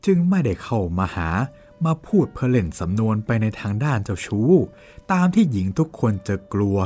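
A man's voice: lowish voice, big pitch swings, normal speed, mellow, faint music behind. A man playing an earnest, down-on-his-luck suitor who speaks politely and pleadingly.

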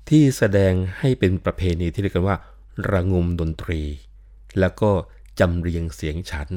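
An older man lectures on classical literature in a deep, low voice. He explains patiently and often adds polite particles. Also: darkish tone. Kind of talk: explanatory talk.

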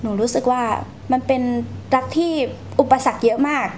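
A woman's voice: high voice, steady tone, normal speed, a little mellow, slight background noise. A young woman, answering interview questions in a polite, explanatory manner as she recounts her experiences. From Thailand. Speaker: guest storyteller.

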